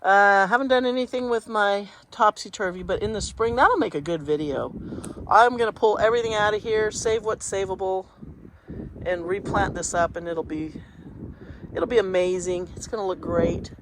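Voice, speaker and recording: Female gardening vlogger, congested and chatty, mid pitch, faint outdoor noise behind her. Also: normal speed. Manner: chatty, rambling, talks to camera. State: congested, sniffling. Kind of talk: casual garden walkthrough.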